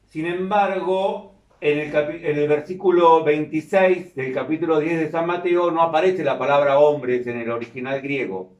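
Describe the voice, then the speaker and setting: A Catholic priest, a man, speaking solemnly and deliberately during Mass in an echoing, cathedral-like church, picked up from a distance. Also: a little high, steady tone, darkish tone, dull audio. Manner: slow, deliberate, measured phrasing. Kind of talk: solemn liturgical reading and homily.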